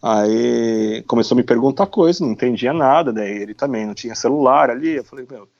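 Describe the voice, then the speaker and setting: A man with a Brazilian Portuguese accent, a guest on a podcast, casually telling a story from his bicycle travels, animated and full of slang fillers. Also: medium pitch, brisk, vocal fry, highs cut off.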